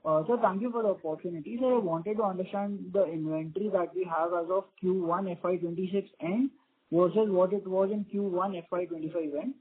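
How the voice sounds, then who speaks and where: A man's voice: high-pitched, fairly quick. A man, an investment analyst calling in, deferential and rambling, saying sir again and again. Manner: deferential, says sir constantly, rambling questions. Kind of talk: earnings call question. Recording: husky voice on a tinny phone line.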